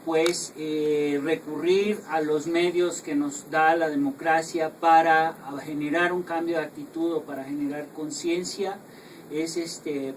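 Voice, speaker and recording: A man with a Mexican Spanish accent interpreting and summarising at a public talk, deliberate and hesitant. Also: a little high. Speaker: interpreter and moderator. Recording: distant mic, faint noise.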